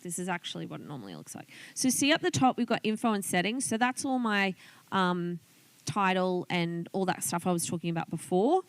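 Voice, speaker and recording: A woman's voice: fairly low pitch, lively intonation, a little fast, no echo. A woman with an Australian accent gives an informal tutorial, chatting and thinking aloud as she explains things step by step. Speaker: online business coach teaching video tips. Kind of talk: informal tutorial, talking through a screen demonstration.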